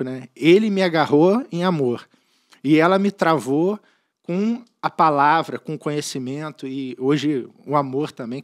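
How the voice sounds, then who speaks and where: A Brazilian man with a slightly higher-than-usual voice tells his personal testimony as a guest on a church podcast. He speaks earnestly and from the heart, stumbling and restarting his phrases as he recalls his story. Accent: Brazilian Portuguese. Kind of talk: personal faith testimony in conversation.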